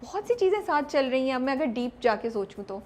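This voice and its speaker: Interviewer: Pakistani woman, higher-pitched, casual and probing, code-switching conversational delivery. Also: big pitch swings, fast, darkish tone, slight background noise. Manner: mixes Urdu and English, probing.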